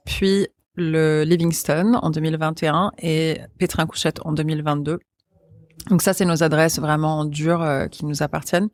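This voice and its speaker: A woman's voice: low voice, dry recording, studio quality. A woman with a Québécois accent, a restaurant co-founder, talking casually in an interview with many fillers. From Quebec. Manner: easygoing, frequent fillers, light laughs.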